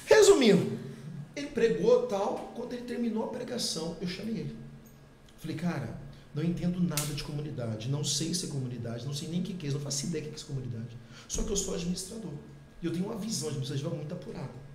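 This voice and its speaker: A middle-aged man, a podcast guest, telling a personal testimony in a lively way and acting out the dialogue. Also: a little high, rapid-fire, a little hiss or hum. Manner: lively, acts out quoted dialogue. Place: podcast studio. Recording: echoey room.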